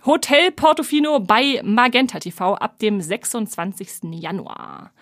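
A woman's voice: fairly high pitch, big pitch swings, moderate pace, fairly bright tone, dry recording, clean studio sound. A woman co-hosting a casual podcast, presenting new series in a chatty, upbeat way with lots of fillers. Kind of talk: casual chat.

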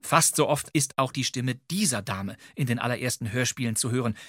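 A man's voice: mid-range voice, fairly quick, a bit bright, no echo, studio quality. A man narrating a podcast segment from a script, wry and playful, addressing the listener directly. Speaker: podcast co-host.

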